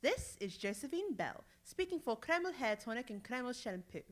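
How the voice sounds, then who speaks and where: A woman announcer reading a scripted sign-off in an animated, presentational way, in the style of an old-time radio show. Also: a little high, normal speed.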